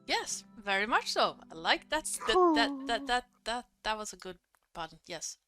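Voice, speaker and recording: Bright crisp-sounding woman dm, german first language, lots of uhs, faint music under her. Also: a little high, very animated. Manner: halting, many fillers, quick laughs. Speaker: game master. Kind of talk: narrating a tabletop game and chatting.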